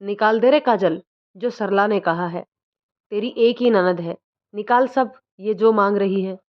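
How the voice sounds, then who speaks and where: A woman voicing a cruel village mother-in-law who shouts and taunts, in a dull lo-fi recording. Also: medium pitch, a little slow, close to an everyday voice. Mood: scolding. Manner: harsh, scolding, taunting.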